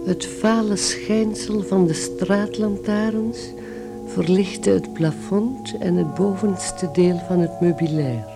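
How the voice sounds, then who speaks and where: An actress playing an atmospheric storyteller, giving scripted literary narration in a radio drama. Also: female voice, on the low side, vocal fry. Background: music.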